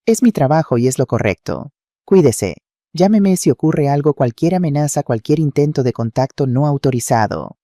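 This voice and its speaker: A man's voice: on the high side, expressive, mellow, no room sound, clean studio sound. A man voicing a composed female lawyer who speaks in firm, formal legal terms. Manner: formal, measured legal phrasing.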